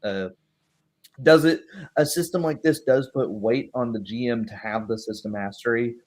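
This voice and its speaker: A man's voice: medium pitch, moderate pace, darkish tone. A man who is a game master hosting a stream, chatting casually and explaining tabletop rules with little examples. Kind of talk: casual chat about tabletop role-playing rules.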